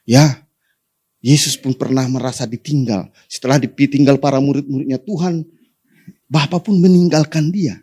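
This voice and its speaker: A pastor preaching to his congregation, often calling for amen, rising to sudden high emphatic peaks and dropping to soft endings. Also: steady tone, normal speed, husky. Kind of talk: sermon.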